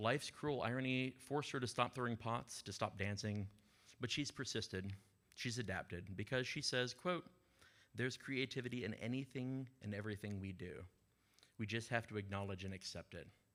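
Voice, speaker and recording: Speech comes at a fairly quick pace, its pitch varying in an ordinary way. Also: man, medium pitch for a man. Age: 40s. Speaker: storyteller. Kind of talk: reading aloud. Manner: halting.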